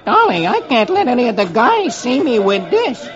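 A man's voice: extremely high pitch, huge pitch swings, moderate pace, voice pushed up, full character voice. An older radio recording of a man voicing a grumbling young army private who mutters in exasperation. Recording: dull old radio recording with music.

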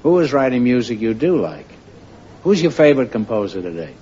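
A man hosting a quiz show, teasing the contestants with wry, deadpan quips, heard on a dull old broadcast recording. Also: medium pitch, a little fast, a little hiss or hum. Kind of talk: wisecracking quiz host banter.

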